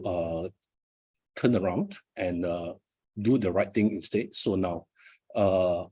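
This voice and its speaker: A man's voice: lowish voice, slightly rough. A middle-aged Malaysian man, a Malay native speaker, giving a live motivational talk at his book launch with frequent fillers and repeated words.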